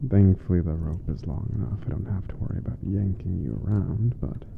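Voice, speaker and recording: A man playing a gentle, teasing, affectionate giant roommate in an intimate ASMR roleplay, soft-spoken and playfully formal. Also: low voice, brisk, vocal fry, narrow, tinny audio, a little hiss or hum. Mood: caring, soothing.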